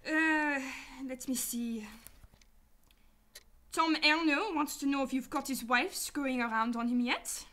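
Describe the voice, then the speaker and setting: A woman playing a sassy, irreverent detective's assistant in a sci-fi radio drama, breezy and deadpan. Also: sits high, unhurried. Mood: breezy, wry. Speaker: actress in a radio play.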